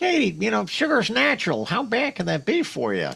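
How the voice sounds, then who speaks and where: A man speaks in a put-on character voice at a high pitch. His pace is fairly quick. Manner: put-on silly voice.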